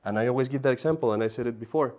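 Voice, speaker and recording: A man teaching an adult catechism class in an animated way, often repeating himself and turning aside to talk to the class. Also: medium pitch, very fast, dull audio.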